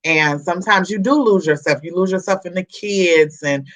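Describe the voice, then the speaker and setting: A woman in her forties from Chicago hosting a talk show, chatty and lively, laughing often and repeating herself. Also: fairly low pitch, normal speed. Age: 40s. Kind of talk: casual interview chat.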